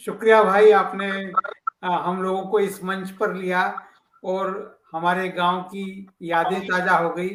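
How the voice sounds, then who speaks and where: A man with a high-pitched voice speaks in a monotone, flat intonation. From Madhya Pradesh, India (Jhabua). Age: 70s. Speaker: poet. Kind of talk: interview.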